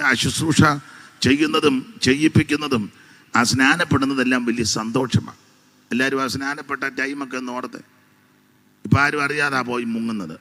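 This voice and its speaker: Hoarse preacher man. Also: medium pitch, pushed and bright. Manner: emphatic, counts out points, asides to the congregation. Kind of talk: sermon. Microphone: amplified microphone.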